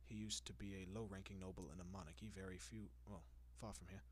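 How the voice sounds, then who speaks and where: Male actor as centuries-old vampire, lowish pitch, husky, courteous, doting, possessive, intimate roleplay audio. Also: level tone. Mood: composed, confiding. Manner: genteel, softly coaxing, lingering pauses.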